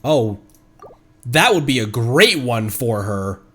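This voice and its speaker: A man's voice: mid-range voice, sing-song, slow pace, a bit bright. Casual man rambling through a game stream. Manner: rambling, thinking aloud. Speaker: livestreamer. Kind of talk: casual gameplay stream commentary.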